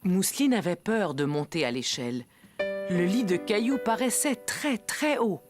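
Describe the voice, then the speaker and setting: A woman narrating a children's story in French, expressive, stretching words for emphasis. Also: mid-range voice, measured pace. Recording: music bed behind the voice.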